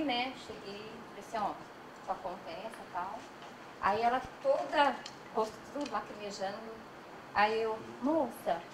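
A woman from Brazil, a café attendant, recounts an experience at work with a high voice. She speaks softly and hesitantly, filling pauses often. The room is echoey and there is clear background noise. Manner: soft, hesitant, many fillers.

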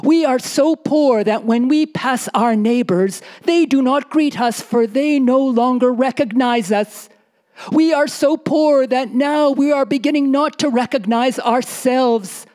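A woman's voice: high voice, measured pace, darkish tone, pitched above the performer's own voice. A woman storyteller voicing the poor, anxious wife of a desert nomad, pleading and insistent. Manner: pleading, repeating "husband" with rising intensity.

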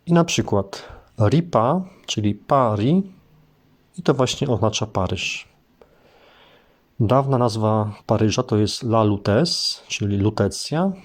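A man's voice: on the low side, lively intonation, takes it slowly. A man teaching French vocabulary in a casual spoken lesson, explaining things unhurriedly with hesitant fillers.

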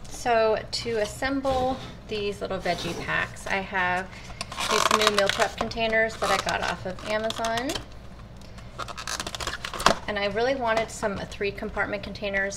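A woman explains her meal prep step by step in a relaxed, friendly chat, talking straight to her viewers. Her voice sits at an ordinary middle pitch. A steady background noise runs under the home kitchen recording. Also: measured pace. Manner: chatty, addresses viewers as you guys. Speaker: cooking vlogger. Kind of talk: casual step-by-step cooking talk.

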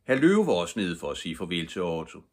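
An older man reading a children's storybook at bedtime. His voice is deep and husky. He narrates calmly and gently. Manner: calm, gentle.

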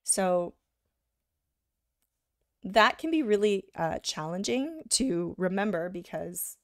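A woman giving a live drawing lesson, talking casually while she sketches and often checking in with "right?", a little hoarse from being sick. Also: mid-range voice, lively intonation, slow pace, dry recording, studio quality. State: slightly hoarse from illness. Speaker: art instructor.

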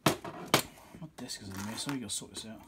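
The audio is very noisy as a man with a fairly low voice works at a cluttered indoor electronics bench. He's a repair technician and video host, speaking at a moderate pace and muttering his thoughts casually as he goes.

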